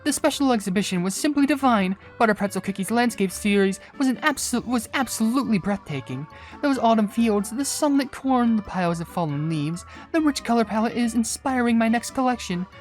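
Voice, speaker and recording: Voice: mid-range voice, expressive, fairly quick, faint music behind, pitched above the performer's own voice, natural voice. A video host voicing a refined, artsy cookie fashion designer from a game, in a lofty, gushing manner. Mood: refined delight.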